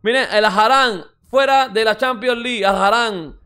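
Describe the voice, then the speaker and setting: A man's voice: sits high, moderate pace, very noisy. A man giving casual mocking football reaction commentary as a streamer, repeating exclamations, swearing and ranting.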